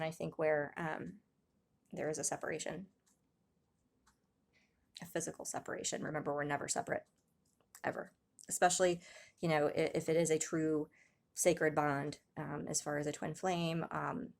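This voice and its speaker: Low-voiced woman giving a tarot reading. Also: fairly even intonation, normal speed, creaky. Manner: soft-spoken, hesitant, many ums and restarts, gasps in awe. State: slightly raspy throat. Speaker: tarot reader. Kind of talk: casual spiritual tarot reading to viewers.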